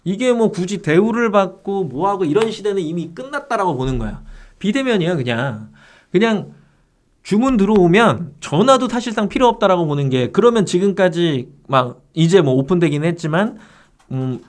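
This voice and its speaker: A male instructor leads a casual live lesson for online sellers. His voice sits a little higher than most men's. He keeps it conversational, checking in with quick tag questions. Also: expressive. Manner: chatty, rhetorical tag questions.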